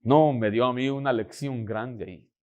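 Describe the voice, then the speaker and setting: A man preaching a sermon, telling a personal story and acting out the dialogue with lively energy. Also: medium pitch, normal speed, muffled recording.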